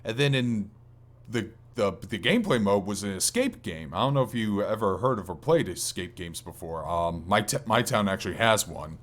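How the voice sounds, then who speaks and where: A man's voice: lowish voice, expressive, moderate pace, fairly bright tone. A man hosting a gaming podcast, talking in an informal, rambling way with casual swearing. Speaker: podcast host.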